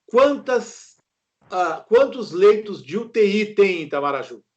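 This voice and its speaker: A man's voice: high voice, very animated, a little slow. An older man with a Brazilian accent interviewing someone casually over a dull, lo-fi call from home. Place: room at home.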